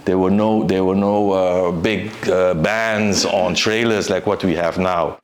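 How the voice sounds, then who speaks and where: A man with an Aruban accent, a brass band musician talking in an interview, halting and repeating words. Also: deep voice, steady tone, slight background noise. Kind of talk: casual interview.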